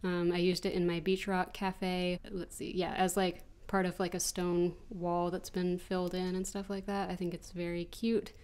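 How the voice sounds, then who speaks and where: A woman's voice: on the low side, flat delivery, moderate pace, few pauses, a little mellow, clean tone. Congested young woman rambling casually. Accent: American. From United States. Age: 20s. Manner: chatty, rambling, frequent ums and restarts. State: congested from allergies. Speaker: gaming channel host. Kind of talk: rambling casual Q&A over gameplay.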